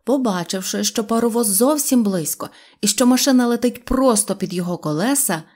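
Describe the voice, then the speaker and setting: A woman's voice: on the high side, a little fast. Woman narrating a children's storybook. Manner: lively, expressive reading. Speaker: audiobook reader.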